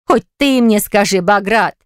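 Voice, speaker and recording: A woman voicing an older mother and grandmother who nags and flares up quickly. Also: mid-range voice, dry recording, studio quality, natural voice. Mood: indignant. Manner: emotional, scolding, nagging.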